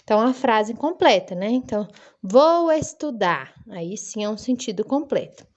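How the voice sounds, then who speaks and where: A woman teaching a children's lesson, speaking slowly and clearly in a sing-song manner for young kids. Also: mid-range voice, animated, a little mellow, muffled recording. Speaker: primary school teacher. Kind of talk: recorded online lesson for children.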